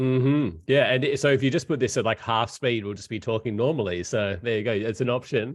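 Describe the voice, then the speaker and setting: Against a quiet background, a man talks at a fairly quick pace with hardly any pauses and ordinary pitch variation. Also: medium pitch for a man. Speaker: podcast host. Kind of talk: casual chat. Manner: fast.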